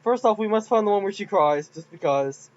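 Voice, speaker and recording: A man's voice: high-pitched, expressive, fairly quick, muffled recording. A man casually commenting on his own game files, rambling and giggly. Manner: rambling, giggly, self-mocking. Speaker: game modder.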